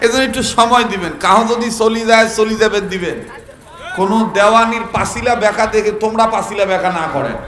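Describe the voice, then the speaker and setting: High-voiced preacher with Rangpur dialect. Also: male voice, fairly quick, reverberant, in a large hall, background noise. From Bangladesh. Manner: animated storytelling, shouting rhetorical questions to the crowd. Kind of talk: humorous sermon at a religious gathering.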